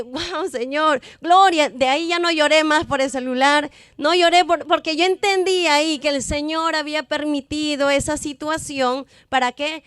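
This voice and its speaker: A woman's voice: sits high, no room sound, studio quality. A woman preaching a testimony sermon, emphatic and full of repeated rhetorical questions.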